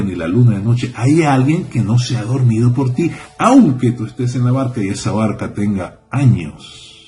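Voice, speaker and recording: A man's voice: on the low side, warm tone. A man preaching a sermon as a rabbi, fervent, repeating phrases and calling out hallelujah. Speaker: rabbi teaching a congregation.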